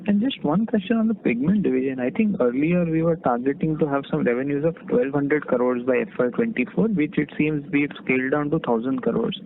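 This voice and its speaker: A male analyst with an Indian accent puts questions on an earnings call. His voice is somewhat high and very creaky. It comes through a thin telephone line. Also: brisk, hardly any pauses. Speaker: analyst caller. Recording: noisy narrow phone line.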